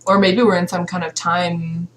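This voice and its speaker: A woman's voice: lowish voice, level tone, normal speed, slight background noise, low-quality recording. A woman co-hosting a game playthrough, chatting casually and reading the game's text aloud into a headset.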